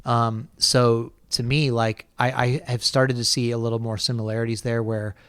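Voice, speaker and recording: A man at a middle pitch hosts a casual podcast chat, working his thoughts out loud. He circles back and restarts often. The room is dry, with almost no reverb. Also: flat delivery, normal speed, clear, resonant tone. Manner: rambling, thinks aloud with many restarts. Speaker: podcast host. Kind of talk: casual conversation.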